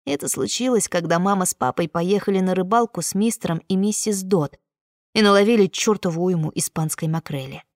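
A woman's voice: on the low side, fairly quick, dry recording. A woman narrating a novel in the first person as an audiobook reader, close to the mic.

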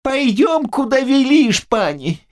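A man voicing a frightened old peasant matchmaker who begs in a high, quavering, drawn-out voice for an audiobook. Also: very animated, full character voice. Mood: pleading. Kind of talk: audiobook character voice.

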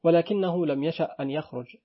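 A man voicing a sly little girl who begs her father for forgiveness, in a husky voice. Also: on the high side, fast talker, close to an everyday voice. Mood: telling. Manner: pleading, childlike. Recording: dull lo-fi recording.

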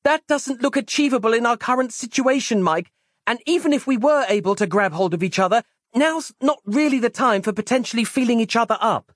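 A man voicing an exasperated, sharp-tongued young woman who shouts orders in a high, lively voice. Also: brisk, no room sound, studio quality, heavily acted.

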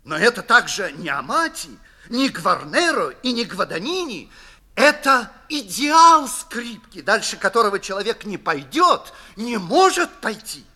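A man's voice: high-pitched, very animated, measured pace, sharp tone, voice pushed up, heavily acted. A man voicing an eager young male violinist who speaks in an exclamatory, rapturous way.

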